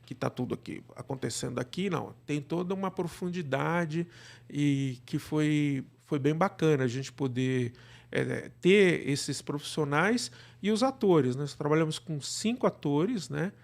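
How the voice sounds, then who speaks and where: A man's voice: on the high side, a little slow, vocal fry. A Brazilian man explaining things conversationally as an interview guest, often checking for agreement with little tag questions. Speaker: interview guest, radio drama director.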